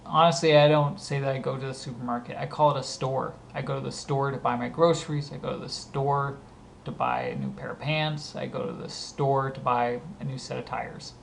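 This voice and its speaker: A man's voice: medium pitch, steady tone, brisk, gravelly. A man with a Southern California accent and a scratchy voice. He reads a list of words aloud and casually explains how he uses each one. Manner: reads each word, then explains usage conversationally.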